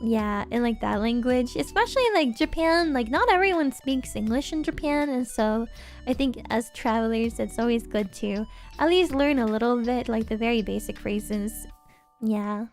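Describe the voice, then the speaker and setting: High-voiced, giggly young woman. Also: moderate pace, soft background music. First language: Norwegian. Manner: chatty, giggly and rambling. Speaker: streamer. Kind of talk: casual livestream chat.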